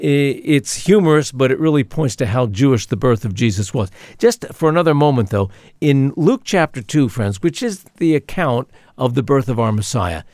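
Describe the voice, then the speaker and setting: A man's voice: mid-range voice, darkish tone, dry recording, clean studio sound. Earnest Christian radio co-host, man. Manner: earnest, enthusiastic, with fillers and restarts.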